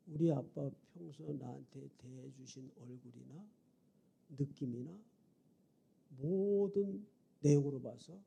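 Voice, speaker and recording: A middle-aged man preaching a storytelling sermon, swinging dramatically from hushed to loud. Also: a little high, gravelly, husky. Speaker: revival preacher.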